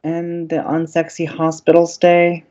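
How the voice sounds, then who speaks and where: A woman playing an encouraging, excitable young college radio co-host in an audio drama. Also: lowish voice, measured pace, muffled recording, close to an everyday voice. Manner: gushing, excitable.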